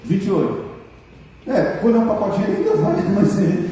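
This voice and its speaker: A male pastor preaching fervently and pausing often to draw amens from the congregation. His voice is high yet mellow. It booms through a large church hall, picked up from a distance with faint background ambience. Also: sing-song. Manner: fervent, keeps calling for amens. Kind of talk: sermon. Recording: echoey church hall from far off.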